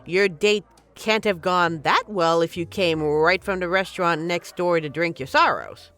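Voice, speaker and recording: A woman's voice: lowish voice, unhurried, fairly bright tone, faint music behind. A woman playing a flirty, teasing but caring bartender in an intimate, conversational audio roleplay. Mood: curious, sympathetic. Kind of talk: intimate scripted roleplay, ASMR-like.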